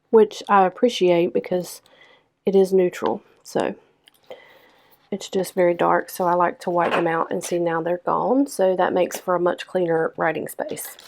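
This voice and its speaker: A young woman with a hoarse, stuffed-up voice chatting casually through a planner-decorating vlog. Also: fairly low pitch, a little mellow. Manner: chatty, lots of ums, unhurried. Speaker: planner vlogger. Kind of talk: casual plan-with-me narration.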